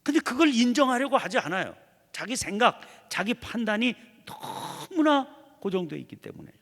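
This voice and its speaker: A man's voice: sits high, very animated, moderate pace, a bit bright, big-room sound. A man preaching an early morning prayer sermon in a church, acting out imagined prayers as he teaches. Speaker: pastor. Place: church sanctuary.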